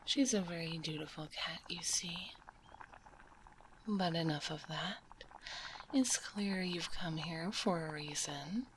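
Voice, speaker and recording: Kindly witch shopkeeper, played by a woman, ASMR roleplay: lowish breathy murmur, unhurried, soothing, slightly teasing, close-miked. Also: slight background noise, poor audio. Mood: coy, welcoming. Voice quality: soft, breathy, half-whispered. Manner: unhurried, soothing, calls listener dear. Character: kindly witch alchemist, older than she looks, gently teasing. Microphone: close binaural microphone.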